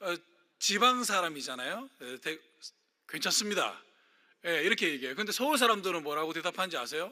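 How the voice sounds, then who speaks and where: A man's bright, sharp, high voice, fairly quick, with very wide pitch swings and long, frequent pauses. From Daegu, South Korea. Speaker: pastor. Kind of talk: sermon. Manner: animated.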